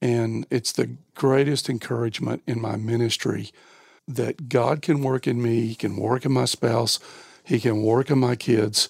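A man with a plain, everyday voice talks at medium pitch with fairly even intonation, the sound dry and close with no echo. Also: fairly slow pace, very clean recording, silent background. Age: 60s. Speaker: real estate developer and lay minister. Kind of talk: casual interview about faith. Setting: studio.

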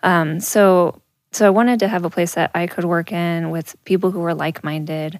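A woman's normal speaking voice at a moderate pace, with fairly even intonation, in a very clean recording over a silent background. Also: fairly low pitch for a woman. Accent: American. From California. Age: 40s. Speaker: hairstylist and salon owner. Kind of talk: casual interview conversation.

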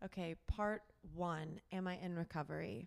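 A woman with an ordinary speaking voice, fairly low in pitch, speaking fairly slowly with an American accent. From Middle Tennessee, US South. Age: 20s. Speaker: content creator. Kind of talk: casual interview chat. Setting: in-person studio recording.

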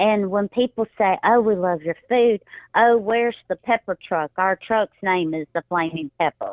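At a moderate pace with ordinary pitch variation, this is an unremarkable speaking voice. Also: woman, medium pitch for a woman. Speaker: army veteran, food truck owner. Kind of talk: casual chat.

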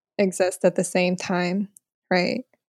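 A woman's medium-pitched voice at a moderate pace, in a dry, close sound with no echo. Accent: Korean. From South Korea. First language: Korean. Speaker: poet. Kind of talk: interview.

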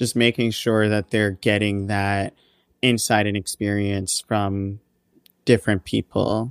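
On a very clean recording with a silent background and a dry, close sound with no echo, a man with a Californian accent and a fairly low pitch speaks at a fairly slow pace in a flat monotone. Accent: Californian American. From Southern California. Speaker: software engineer. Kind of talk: interview. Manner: casual with repetitions.

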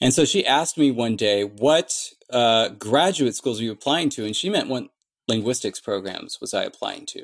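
A man's ordinary speaking voice at medium pitch, with an American accent, lively intonation and a moderate pace, in a very clean recording with a silent background. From US West Coast (Orange County, California). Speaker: language creator, linguist. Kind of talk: interview, casual chat.

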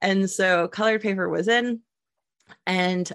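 A woman speaks at a medium pitch with a Canadian accent. The sound is dry and close with no echo over a quiet background. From Canada. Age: 30s. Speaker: small business owner with dyslexia. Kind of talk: interview. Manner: halting, with repetitions.

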